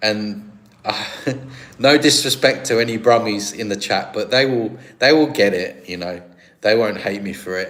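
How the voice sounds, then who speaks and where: This man has a British accent. His pitch variation is ordinary. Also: medium pitch for a man, moderate pace. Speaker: live streamer answering chat questions; past life regression practitioner.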